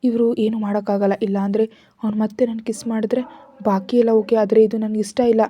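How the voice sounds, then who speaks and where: A woman's voice: fairly high pitch, flat delivery, a little fast, dark tone, husky. A woman voicing a proud teenage schoolgirl who sounds tense and worn out. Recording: dull lo-fi recording.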